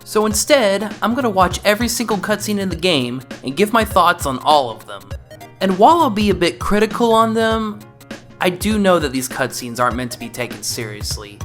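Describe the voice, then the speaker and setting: A man's voice: sits high, very animated, fairly quick, fairly bright tone, soft background music. A man giving scripted comedic commentary as a game reviewer, wry and sarcastic.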